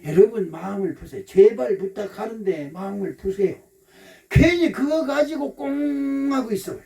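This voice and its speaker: A man's voice: sits high, expressive, moderate pace, creaky, mellow, recorded from a distance. A man preaching a sermon as pastor, emphatic and repetitive, acting out the voices of others. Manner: emphatic, repetitive, acts out quoted speech.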